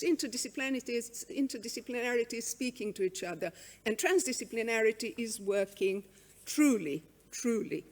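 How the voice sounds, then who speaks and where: A middle-aged woman whose first language is Serbian gives a measured, wry conference talk with frequent ums, on a lectern microphone in a large hall. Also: on the high side. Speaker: conference speaker. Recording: reverberant hall sound.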